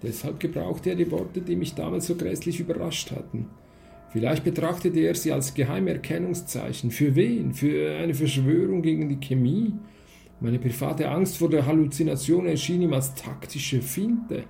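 Male audiobook narrator, measured first-person reading; gravelly, slightly high voice. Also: dark tone, faint music behind. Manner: measured, with occasional slips and restarts. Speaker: audiobook reader.

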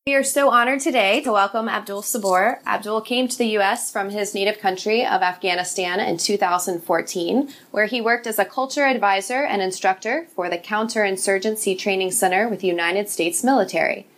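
A woman's voice: medium pitch, a little fast, hardly any pauses, a bit bright. A woman co-hosting a podcast, reading a scripted introduction and letting her voice trail off at the ends of phrases. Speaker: podcast co-host.

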